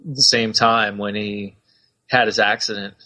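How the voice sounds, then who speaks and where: A man's voice: lowish voice, fairly even intonation, measured pace, sharp tone. A man co-hosting a casual talk show, speaking hesitantly with many fillers as he works through his thoughts. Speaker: podcast co-host.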